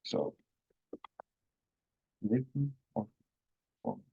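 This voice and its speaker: A man who is a native Finnish speaker, hosting a casual online language lesson in an unhurried, rambling way with self-corrections. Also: lowish voice, wildly swooping pitch, gravelly, mellow, slightly rough, lo-fi sound. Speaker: language course host.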